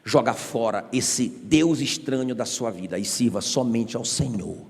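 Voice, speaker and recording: A male pastor preaching a sermon in an animated, conversational way, full of rhetorical questions and joking asides, in a church sanctuary. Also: mid-range voice, measured pace, gravelly. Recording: reverberant church hall.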